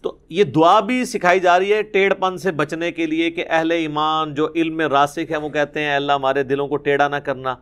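A middle-aged man with a Pakistani Urdu accent giving a Quran commentary lecture, explaining with animation and reciting verses slowly and carefully. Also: a little high, flat delivery, a bit bright, clear, resonant tone. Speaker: religious teacher.

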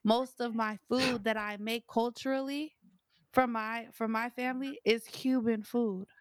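A young woman in a casual podcast chat, working through her thoughts out loud with lots of "like" and "you know." Her voice stays fairly level and even in pitch. The sound is dry and close, with little room behind it. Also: unhurried, no echo. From United States. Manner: rambling, thinks aloud with many fillers. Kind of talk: casual discussion.

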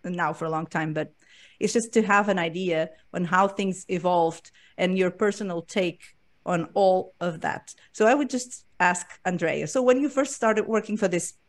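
A woman's voice: lowish voice, normal speed. A woman hosting a casual podcast interview over a video call, chatty, laughing often and repeating words. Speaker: podcast host.

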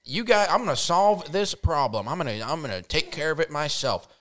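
A woman's voice: expressive, a little fast, a crowd in the background. A man imitating a confused ninety-two-year-old woman caller who talks in a loop. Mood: rambling. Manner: high quavering looped speech.

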